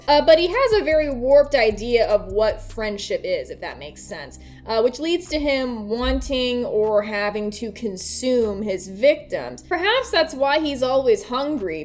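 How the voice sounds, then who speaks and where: A woman's voice: fairly high pitch, darkish tone. A woman hosting a video essay, giving casual, conversational commentary with informal, sweary phrasing. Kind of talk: casual commentary and theory breakdown.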